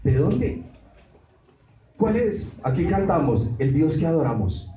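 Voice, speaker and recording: A man's voice: on the high side, sing-song, takes it slowly, dark tone. A man, a pastor preaching a sermon and putting rhetorical questions to the congregation. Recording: roomy hall, mic at a distance, faint noise.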